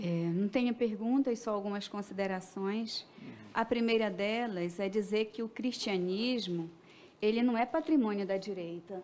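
A woman's fairly slow speech with ordinary pitch variation. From Brazil. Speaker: politician. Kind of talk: heated debate. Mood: critical, concerned. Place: meeting room. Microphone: podium.

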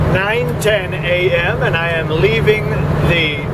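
Over loud background noise, a man speaks with ordinary pitch variation in a dry sound with no echo. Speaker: road trip vlogger. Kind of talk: casual vlog chat. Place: car. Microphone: phone near.

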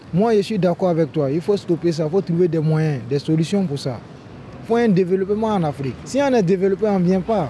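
Speaking fairly quickly in an Ivorian accent, a high-pitched man uses lively intonation over light background noise, with a dry sound and no echo. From Ivory Coast. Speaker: homeless man, amputee; interviewee. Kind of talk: street interview. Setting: outdoors. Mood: subdued, earnest. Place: street. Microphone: handheld.

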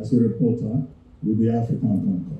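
Somewhat breathy with a dark, mellow tone, a man's voice carries audible room echo. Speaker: master of ceremonies. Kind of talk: formal introductions at a ceremony. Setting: stage with audience. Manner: halting. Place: hall. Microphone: podium.

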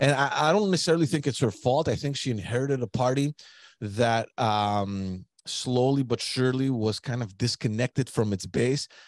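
A man with a Quebec accent talks at a moderate pace with ordinary pitch variation, his voice dry with no echo against a quiet background. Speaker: podcast host and former political staffer. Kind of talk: casual interview. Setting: video call. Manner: halting. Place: home room. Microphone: studio mic.

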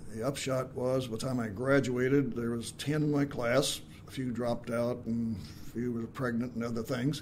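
In a Midwestern American accent, a man talks with monotone, flat intonation, and audible room echo surrounds his voice. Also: medium pitch for a man, moderate pace. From Indiana. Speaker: retired soil scientist. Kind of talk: oral history interview.

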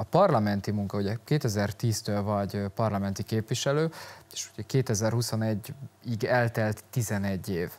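A man speaking at a very slow pace. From Hungary. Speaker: TV talk show host. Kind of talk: interview. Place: studio. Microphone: lapel.

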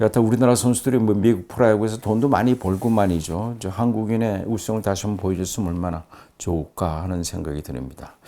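A dark, mellow tone at a very fast pace. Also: man, fairly low pitch for a man, ordinary pitch variation. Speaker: sports journalist. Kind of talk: casual monologue.

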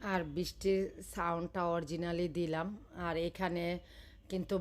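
A woman's fairly low voice, monotone and flat in intonation. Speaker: cooking and lifestyle vlogger. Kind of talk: casual vlog narration. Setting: home kitchen and balcony. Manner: pausing for breath.

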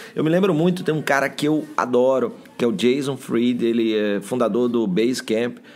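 A man with a plain, everyday voice speaks at a medium pitch and a moderate pace, his intonation lively and his loudness very even. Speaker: podcast host; startup event mentor. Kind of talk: casual business chat. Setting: at a startup event.

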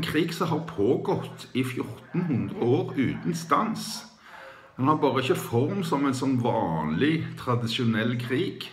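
Fairly slow speech from a man with very wide pitch swings, over light background noise. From Norway. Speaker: video blogger. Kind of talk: casual monologue. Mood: serious, indignant. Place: home room. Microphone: phone near.

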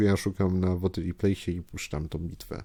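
Calm, dark, mellow delivery at a moderate pace with monotone, flat intonation, on a very clean recording with a silent background. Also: man. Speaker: gaming YouTuber. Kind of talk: casual Q&A monologue to viewers. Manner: calm, quiet; halting, hesitant.

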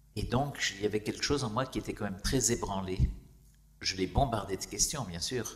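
This man talks at a fairly quick pace in a fairly low, somewhat breathy voice with ordinary pitch variation. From France. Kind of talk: testimony.

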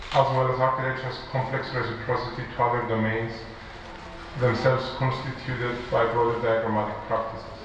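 A man speaking at a fairly quick pace in a flat monotone, with strong room echo and noticeable background noise. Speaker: architect lecturer. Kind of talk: lecture. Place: hall.

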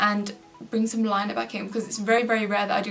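The speech comes at a very fast pace, with faint music in the background. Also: woman. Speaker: beauty vlogger. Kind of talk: tutorial. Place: home room. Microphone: camera far.

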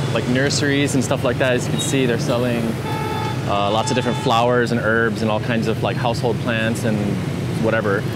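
There is music in the background as a man talks, his voice dry with no echo. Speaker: travel vlogger. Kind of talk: casual vlog chat. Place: street. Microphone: phone near.

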